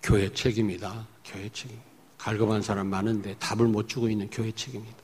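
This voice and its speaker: A male pastor preaching a sermon emphatically, swinging between loud points and hushed asides. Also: on the low side, level tone, quick pace, husky. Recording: echoey hall.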